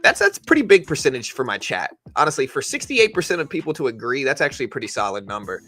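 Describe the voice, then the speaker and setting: A man with a bright, forceful voice at an average male pitch talks through the markets as a livestream host. His delivery is conversational and explanatory, as if answering a chat. Music plays faintly behind him. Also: big pitch swings, fast. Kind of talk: casual live stock market commentary, answering chat.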